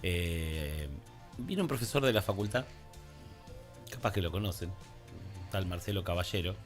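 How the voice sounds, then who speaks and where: Argentine male co-host, low voice, rambling informal anecdotes with faint music underneath. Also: lively intonation, normal speed. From Punta Alta, Argentina. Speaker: radio co-host. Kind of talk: casual anecdotal chat.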